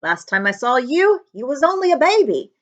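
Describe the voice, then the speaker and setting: A woman voicing a friendly, gruff, hungry giant man from a storybook, with rustic, ungrammatical speech. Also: high voice, sing-song, normal speed, muffled recording, voice pushed up. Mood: warm, jovial.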